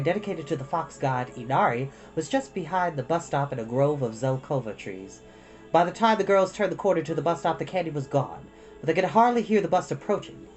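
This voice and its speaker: Low-voiced, expressive woman storyteller. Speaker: storytime reader. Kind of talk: expressive scripted storybook narration.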